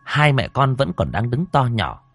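A man's voice: mid-range voice, very animated, measured pace, vocal fry, fairly bright tone, dry recording, soft background music. A man narrating a ghost story in a suspenseful, dramatic way.

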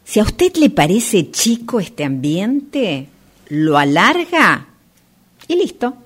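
Animated, insistent saleswoman played by a woman. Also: mid-range voice, breathy edge, exaggerated voice. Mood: showy. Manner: insistent, theatrical, dramatic pauses. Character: smooth-talking female real estate agent selling a mysterious magic house. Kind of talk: amateur radio play acting.

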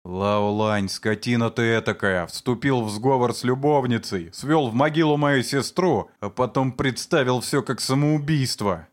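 A man voicing a vengeful man who sneers at and shouts accusations against his brother-in-law. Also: mid-range voice, moderate pace, natural voice. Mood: furious.

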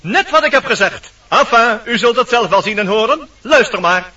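A man's voice: extremely high pitch, lively intonation, normal speed, pushed and bright, full character voice. A man playing a wondering fairy-tale storyteller, narrating a radio play with theatrical suspense. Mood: suspenseful, wondering. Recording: dull radio recording, distant mic.

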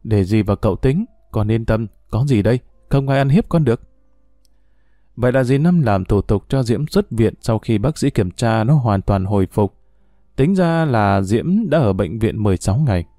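A man tells a story in a mellow, dark voice at an even middle pitch. He reads steadily, and he lifts his pitch a little when he speaks for the characters. The sound is close and dry, with no room echo. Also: normal speed. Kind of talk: scripted narration of a story.

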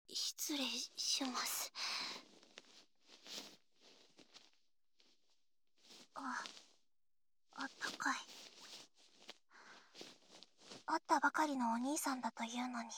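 A woman's voice: high-pitched, fairly bright tone, no room sound. A woman voicing a prim, stubborn and easily flustered young woman in an intimate audio drama, speaking politely and formally with hesitant scolding. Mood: shy, soft. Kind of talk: Japanese audio drama, intimate role-play to listener.

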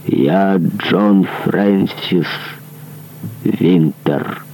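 Vengeful monk, male reader doing him low, slow and gravelly, quietly menacing. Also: a little hiss or hum, full character voice, poor audio. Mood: cold menace. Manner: hushed, menacing and demanding. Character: stern, vengeful male monk, cold and relentless.

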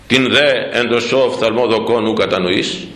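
A man preaching a sermon, animated, slowing down to quote old scripture. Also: mid-range voice, echoey room, poor audio.

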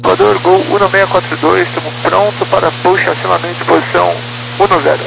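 Casting: Brazilian man, airline pilot, gravelly terse delivery over a noisy two-way walkie-talkie radio link. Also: high voice, steady tone, brisk. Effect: two-way radio transmission, walkie-talkie sound. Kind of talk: clipped pilot radio calls. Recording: noisy humming cockpit radio channel.

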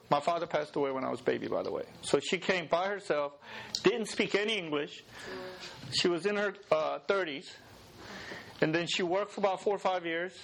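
High-voiced man giving a chatty talk. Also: vocal fry, fairly bright tone, slight background noise, low-quality recording. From Korea, raised in the USA. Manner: laughs often, chatty, checks in with the crowd. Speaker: speaker at a mission gathering. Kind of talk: informal talk to an audience.

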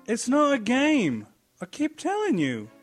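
A man voicing a gentle, earnest man who insists his pet gargoyle is real, in a slow, high, wide-eyed way. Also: wildly swooping pitch, soft background music, full character voice. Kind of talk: audiobook character voice.

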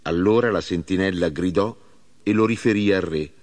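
A man narrating a Bible reading in a solemn, measured way. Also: deep voice, a little mellow. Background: faint music.

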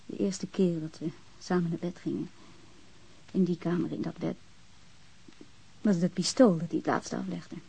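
A young woman acting in a crime audio drama as a bereaved woman, frank, guarded and self-possessed, speaking in measured phrases. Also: fairly low pitch, steady tone, vocal fry, dark tone, breathy edge, full character voice, poor audio. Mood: reflective, frank. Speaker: actress in a radio drama.

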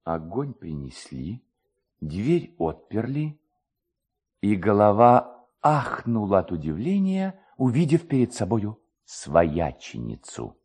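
A man narrating a literary story with expressive, theatrical phrasing. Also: fairly low pitch, slow, husky. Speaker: narrator, reader.

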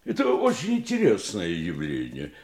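An actor playing a fussy, detached doctor in a theatrical Russian audio drama, explaining things in hesitant, repeated phrases. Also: male voice, sits low, wildly swooping pitch, moderate pace, darkish tone, full character voice. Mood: earnest explaining.

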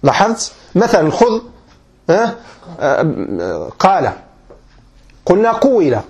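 A man with a Moroccan Arabic accent teaches a classroom grammar lesson as a sheikh, his high, slightly mellow voice swooping wildly in pitch as he goes slowly. He patiently repeats points and often quizzes listeners with check questions.

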